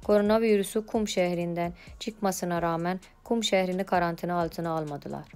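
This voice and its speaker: A woman's voice: lowish voice, fairly even intonation, fairly quick, darkish tone, smooth, faint music behind. A woman with an Iranian accent giving a prepared report in a foreigner's broken Turkish with grammatical slips.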